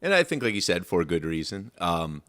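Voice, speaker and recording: A baritone man from Michigan, a songwriter guest chatting casually in an interview, rambling with many fillers and restarts. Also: big pitch swings, a little fast, a bit bright. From Michigan, USA.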